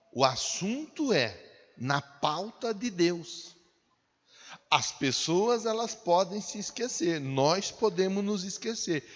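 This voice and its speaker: A man preaching a sermon as pastor, building to loud emphatic declarations and repeating refrains. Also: on the high side. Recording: dull lo-fi sound with long hall reverb.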